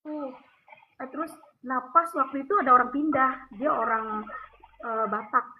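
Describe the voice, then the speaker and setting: A high-pitched woman tells her own testimony at length, rambling and full of fillers. Her voice comes through a thin, tinny phone line with a faint hiss behind it. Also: normal speed. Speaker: caller giving a testimony. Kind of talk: emotional personal testimony. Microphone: phone call.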